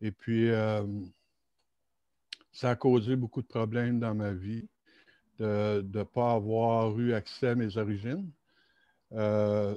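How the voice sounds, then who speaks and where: Pausing long and often, a man with a Quebec accent speaks at a very slow pace, in a medium pitch with a dark, mellow tone and fairly even intonation. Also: dry, close sound with no echo, quiet background. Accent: Québécois French. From Quebec (Shawinigan), Canada. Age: 60s. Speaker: interviewee sharing life story. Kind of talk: testimony. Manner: halting, frequent hesitations.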